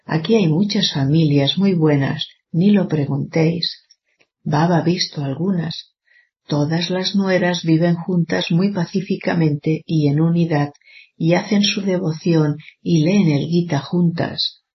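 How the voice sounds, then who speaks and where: Brief: sermon reader, formal and measured, speaks to the flock as children, middling pitch, muffled low-fi recording. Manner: measured, even, addresses listeners as children. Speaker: reader of a spiritual discourse. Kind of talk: formal scripted reading of a sermon.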